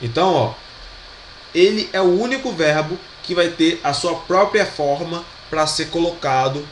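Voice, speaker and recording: A man's voice: on the high side, measured pace. A man with a Brazilian Portuguese accent teaching French grammar in a video lesson. He patiently repeats each pronunciation and keeps checking that his students follow. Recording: roomy echo with faint background hum.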